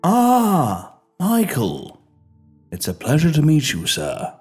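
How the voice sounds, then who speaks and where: Man doing elderly afterlife official, kindly, courteous, husky voice, lively intonation, storybook audio drama. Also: on the high side, slow, faint music behind, voice pushed up, full character voice. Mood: welcoming. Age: older. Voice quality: gentle, courteous, soothing.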